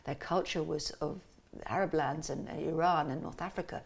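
Lively lower-voiced woman. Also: moderate pace, vocal fry, breathy edge. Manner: lively, animated storytelling. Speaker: interview guest, musician and cartoonist. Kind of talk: casual conversational interview.

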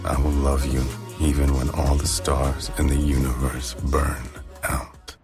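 A man's voice: flat delivery, unhurried, music in the background. A man playing a doting, seductive new husband in a romantic audio role-play, murmuring intimately right into the listener's ear. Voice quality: deep, gravelly. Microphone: very close microphone.

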